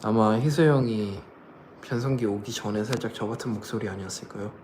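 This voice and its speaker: Against a noisy background, a young man with a lowish voice chats casually with fans on a livestream, speaking a little fast. He laughs often while reading and answering comments.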